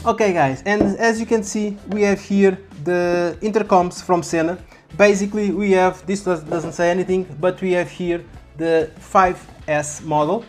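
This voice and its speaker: Unboxing vlogger, mid-pitched voice, casual, halting delivery, repeated words, music behind. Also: fairly even intonation. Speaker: YouTube vlogger. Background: background music.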